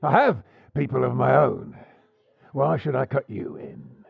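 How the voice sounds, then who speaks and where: A man playing a wary, gruff pirate overlord in an audio drama, gravelly and husky, with a sardonic drawl. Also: mid-range voice, big pitch swings, measured pace, dry recording, narrow, tinny audio, heavily acted. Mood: suspicious. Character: wary, gruff male pirate overlord, dryly amused and menacing. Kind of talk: audio roleplay acting.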